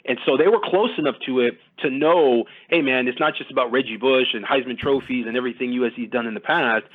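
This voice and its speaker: A man's voice: medium pitch, fast talker. A man giving casual, detailed sports recruiting analysis as a guest, talking conversationally at length. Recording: thin phone-like audio.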